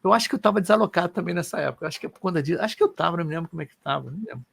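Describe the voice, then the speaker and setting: A middle-aged man from Rio de Janeiro, telling personal stories in an animated, colloquial way as co-host of a casual chat. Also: on the high side, very fast, vocal fry, breathy edge, no echo. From Brazil. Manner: animated, colloquial, emotional storyteller.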